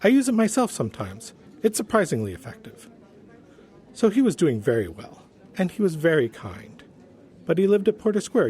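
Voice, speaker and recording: A gentle, earnest human resources man, played by an actor in an audio drama. He is polite and prim, with a medium-pitched voice that swings expressively. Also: lightly acted. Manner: polite, prim, measured wording. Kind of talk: audio drama acting as interview guest.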